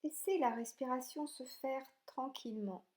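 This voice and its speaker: A woman leading a guided yoga relaxation, speaking calmly and soothingly in short, gentle instructions with pauses between them. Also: high-pitched. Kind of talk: slow guided meditation narration.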